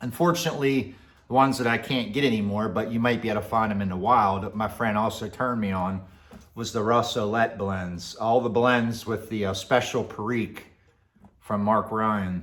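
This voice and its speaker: A man's plain, everyday voice at medium pitch for a man, with fairly even intonation and a moderate pace. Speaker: pipe tobacco reviewer. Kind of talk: casual chat. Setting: workshop.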